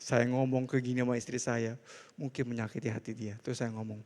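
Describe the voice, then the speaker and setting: A man's voice: medium pitch, a little fast. A middle-aged man, preaching a casual, jokey sermon as a pastor. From Indonesia. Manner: animated, conversational, jokey. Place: church hall. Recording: hall reverb.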